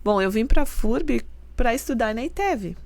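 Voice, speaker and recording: A middle-aged university rector from Santa Catarina, Brazil, answers casual interview questions in a high, expressive voice with vocal fry at a measured pace. She explains at length, earnest and explanatory, with soft laughs.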